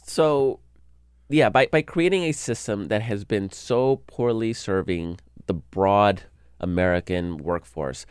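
A man's voice: on the low side, takes it slowly, smooth, dry recording, clean studio sound. A man from El Salvador, a guest and political blogger, talking earnestly in a casual political discussion, often restarting and repeating words.

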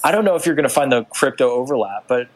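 A man's voice: mid-range voice, expressive, quick pace, low-quality recording. A man, an investor guest, thinking aloud hesitantly in casual conversation.

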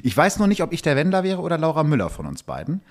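A man's voice: a little high, wildly swooping pitch, fast, crowd noise. A man chatting casually as a podcast guest, telling stories in an anecdotal, conversational way. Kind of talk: casual chat.

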